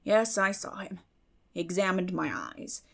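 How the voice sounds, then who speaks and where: Woman reading as a weary, creaky older farm woman. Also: on the low side, lively intonation, unhurried, heavily acted. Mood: dejected. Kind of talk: dramatic audiobook reading.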